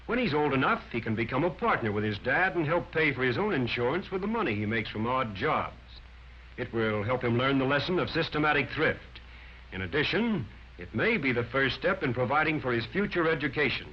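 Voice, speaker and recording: A man's voice: medium pitch, very animated, fairly quick, breathy edge. A man narrating a 1940s sales training film, lecturing emphatically and counting off his points one by one. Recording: dull lo-fi 1940s film soundtrack.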